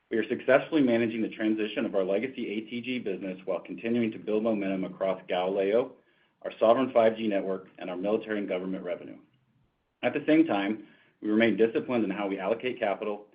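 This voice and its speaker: A man reading a scripted financial report as a company executive, in a formal corporate manner, on a conference call. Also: fairly low pitch. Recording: narrow tinny conference phone line.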